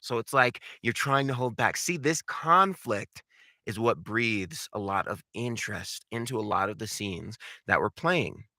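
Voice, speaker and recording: A man's voice: lowish voice, a little slow, bright, forceful tone, no echo. A man giving an instructional talk as a voice acting coach, direct and emphatic, repeating phrases to drive points home. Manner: emphatic, acts out short example lines.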